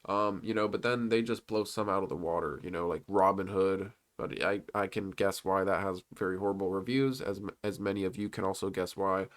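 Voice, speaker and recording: A man's voice: deep voice, steady tone, a little fast, hardly any pauses. A young man with a congested voice, rambling loosely through stock and crypto slides in a casual commentary. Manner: loose and rambling, with many fillers and restarts. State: congested from a cold.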